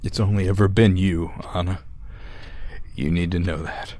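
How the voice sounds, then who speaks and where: A man's voice: deep voice, steady tone, moderate pace, mellow, natural voice. An actor playing Joe, a resolute man in a retro sci-fi radio drama, speaking steadily and earnestly. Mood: tender. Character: Joe, grown man, self-sacrificing and resolute. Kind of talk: golden-age style radio drama acting.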